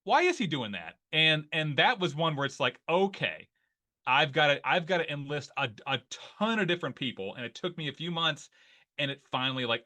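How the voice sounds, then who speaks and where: Ohio guy in his 40s, bright voice, rambles along with lots of likes and restarts. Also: a little high. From Northeast Ohio. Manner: rambling, many fillers and restarts. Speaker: guest, newsletter writer. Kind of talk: casual interview conversation.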